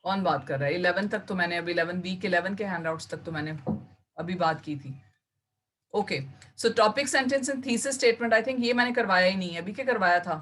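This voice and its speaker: A woman's voice: on the low side, normal speed, a bit bright. A woman teacher giving an online class, explaining terms step by step and mixing English words into her Urdu. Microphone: computer mic on a video call.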